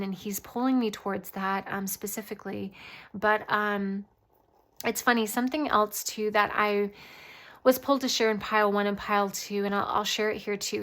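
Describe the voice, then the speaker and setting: A woman host giving a casual channeled spiritual reading, often pausing mid-thought as if listening. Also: medium pitch, a bit bright. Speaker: tarot reader and channeler, host.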